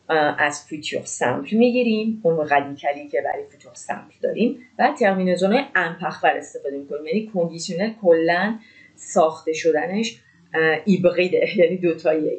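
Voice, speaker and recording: A woman who speaks natively, teaching French grammar, spelling endings out letter by letter and repeating key points for emphasis. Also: sits low. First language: Persian. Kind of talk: grammar lesson.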